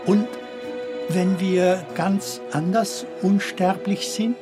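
Halting, anxious film comedian, slow-paced. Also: male voice, high voice, steady tone. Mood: brooding, anxious. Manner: hesitant, halting, searching for words. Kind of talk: theatrical audio drama dialogue. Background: music.

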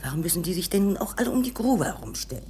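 A nosy village woman in a radio play. The talk is very quick, colloquial and knowing, with a sharp tongue and some background noise. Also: fairly low pitch, very animated. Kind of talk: German radio drama acting.

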